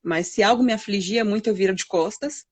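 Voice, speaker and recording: A woman, a guest mother telling a personal story in a halting way, with many fillers. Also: medium pitch, breathy edge, no echo. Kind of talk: personal storytelling in a live chat.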